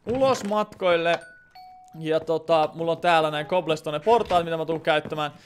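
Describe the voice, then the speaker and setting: A man's voice: a little high, a little hiss or hum. A man casually commentating his game stream, playful and chatty with lots of fillers.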